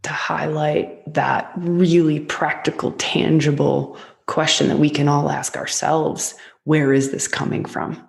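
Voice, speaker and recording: A woman's voice: low voice, little pitch movement, unhurried, gravelly, hardly any pauses, soft background music. A woman hosting a podcast conversation, answering with short affirming replies and reflecting back what her guest said. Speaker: podcast host.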